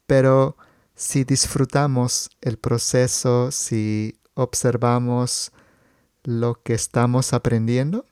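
Mellow, unhurried man interviewing. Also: mid-range voice, clear, resonant tone, dry recording, studio quality. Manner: encouraging, deliberate phrasing. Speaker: interviewer, Spanish teacher. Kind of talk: conversational interview.

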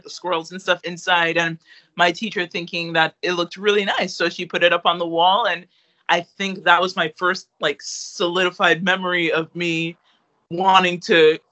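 A man's voice: high voice, bright, forceful tone, muffled recording. A young man chatting in an interview, rambling with many fillers and restarts. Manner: rambling, lots of fillers and restarts, laughs easily. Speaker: interviewee, artist. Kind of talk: casual interview chat.

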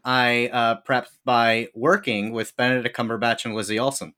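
A man's voice: medium pitch, steady tone, normal speed, bright, forceful tone, clear, resonant tone. A man with a mid-range voice co-hosts a podcast. He talks casually and puts his opinions bluntly. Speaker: podcast co-host.

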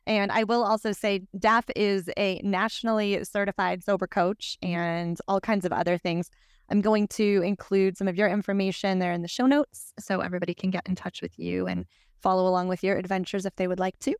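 A woman's voice: mid-range voice, a little fast, clear, resonant tone, no echo, studio quality. A woman hosting a podcast conversation, introducing guests and putting questions to them. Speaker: podcast host.

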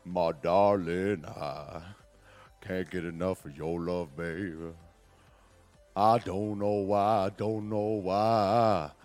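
A man voicing a deep-voiced male soul singer, crooning slowly and drawing out each phrase. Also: fairly even intonation, a little mellow, soft background music. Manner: slow, smooth, drawn-out crooning.

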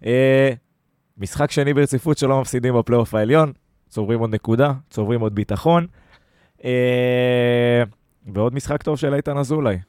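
A man's voice: mid-range voice, a little mellow, clean tone, no echo, clean studio sound. A man hosting a casual football fan podcast, talking conversationally and weighing things up as he goes. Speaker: podcast host.

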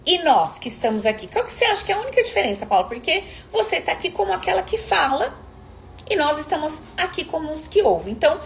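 Woman coach, emphatic and lively in pitch, light background hiss. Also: fast, vocal fry. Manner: emphatic, questions the audience directly. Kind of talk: motivational live stream talk.

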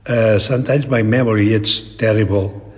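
A very old man with a Spanish accent, talking reflectively in an interview in halting, broken English with repeated words. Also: on the low side, fairly even intonation. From Spain. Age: elderly. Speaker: painter being interviewed. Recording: long echoing reverb in a hall.

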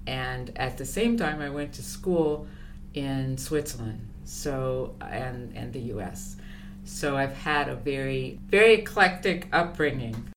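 An older woman speaking as an interview guest, answering in a thoughtful, measured way with fillers and pauses. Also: a bass voice, animated, slight background noise. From born in Liberia, raised abroad. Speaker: guest, consultant.

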